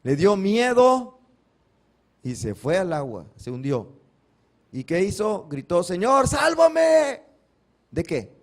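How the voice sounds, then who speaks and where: A man's voice: on the high side, sing-song, takes it slowly, pauses often, a little mellow. Male pastor, preaching a Sunday sermon with questions and dramatic retellings. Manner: asks the congregation questions and answers them himself; acts out biblical cries dramatically.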